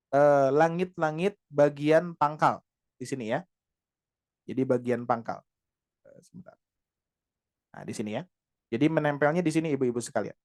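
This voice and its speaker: A man teaching Quran pronunciation to a class of women, patiently modeling each sound slowly and repeating it. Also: a little high, darkish tone. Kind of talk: tajweed lesson to women.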